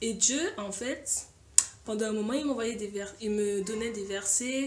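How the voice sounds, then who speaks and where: A woman speaks at a fairly slow pace with fairly even intonation, and audible room echo surrounds her voice. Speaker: video blogger. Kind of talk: personal testimony vlog. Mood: calm, reflective, light laughs. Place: home room. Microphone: camera far.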